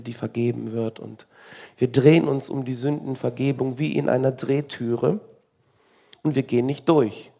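A man's voice: medium pitch, vocal fry, mellow, husky. A man preaching a sermon in a conversational, wry way, asking the listeners rhetorical questions.

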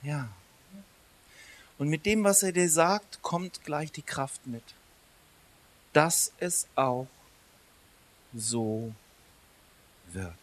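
A man preaching a sermon in a lively, conversational way, swinging between loud emphasis and quiet asides. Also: a little high, very slow, pauses often, slight background noise.

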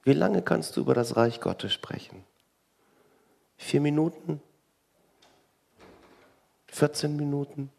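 A man's voice: medium pitch, creaky, a little mellow. A man preaching a sermon in a conversational way, full of rhetorical questions and wry asides.

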